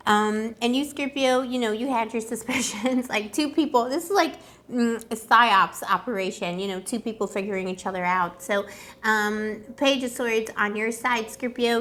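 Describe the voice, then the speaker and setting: A woman's voice: a little high, fairly even intonation, moderate pace, fairly bright tone. A woman chatting casually through a love tarot reading as host, playful and rambling with affectionate pet names, her voice slightly strained as if she is losing it. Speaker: tarot reader and channel host.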